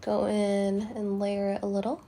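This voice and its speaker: A woman's voice: mid-range voice, monotone, normal speed, warm tone. A young woman talks casually to her viewers while trying on lipstick, explaining each step as she goes. Her voice is a little congested from a recent cold. She is recorded close to the camera in a small room. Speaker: beauty vlogger. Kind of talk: casual product review.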